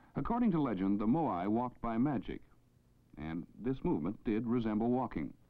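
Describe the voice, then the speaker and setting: In a dramatic tone, a man of medium pitch speaks at a fairly quick pace with lively intonation. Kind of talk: 1960s documentary narration. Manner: formal, authoritative, measured; dramatic, polished broadcaster delivery.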